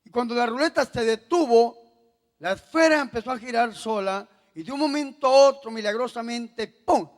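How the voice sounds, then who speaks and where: A man preaching a Catholic sermon, calling out to the congregation for responses and moving between hushed and loud exhortation. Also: very high voice, normal speed. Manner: swings from soft to loud exhortation, tells jokes. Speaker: Catholic priest. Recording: long hall reverb.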